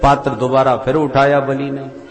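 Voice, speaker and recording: Animated male preacher in echoing hall. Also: mid-range voice, normal speed. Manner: animated, expressive preaching with Sanskrit verses. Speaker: religious storyteller. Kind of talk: devotional scripture sermon. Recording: reverberant hall with instrumental music.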